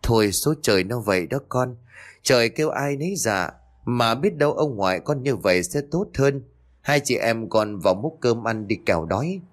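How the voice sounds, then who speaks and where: A man voicing a sharp-tongued defiant village wife. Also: medium pitch, lively intonation, natural voice. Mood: resigned. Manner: quick, scolding retorts.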